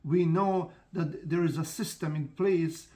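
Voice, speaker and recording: A man with as a talks frankly to camera, pitched a little above most men. He rambles, trips over restarts and fills pauses with "uh" as he goes. His tone is casual and direct, like someone explaining his own business. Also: fairly even intonation, warm tone. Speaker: trucking company owner and channel host. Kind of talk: casual vlog talk to camera.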